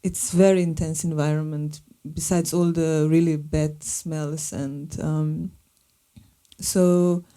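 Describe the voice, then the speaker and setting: Mellow low woman. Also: level tone, slow. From Slovenia. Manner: thoughtful, searching for words. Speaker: filmmaker and artist guest. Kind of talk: live panel conversation.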